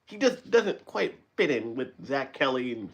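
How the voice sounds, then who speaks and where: A man hosting a live stream in casual chat, animated and rambling, often correcting himself and laughing. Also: mid-range voice, normal speed, lo-fi sound, slight background noise.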